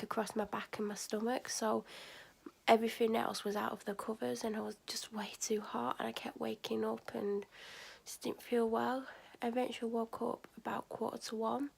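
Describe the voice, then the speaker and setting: Exhausted, husky woman. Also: on the high side. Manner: tired, rambling, many "like" fillers. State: sick, exhausted, sore throat. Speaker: vlogger. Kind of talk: casual vlog chat. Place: bedroom at night, then out by a shop.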